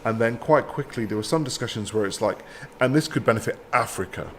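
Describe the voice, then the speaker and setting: A man's voice: mid-range voice, quick pace, fairly bright tone, a little hiss or hum. A man speaking as a guest in a casual conversation, reasoning aloud in a chatty way with many "like"s and "right?"s. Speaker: guest, professor.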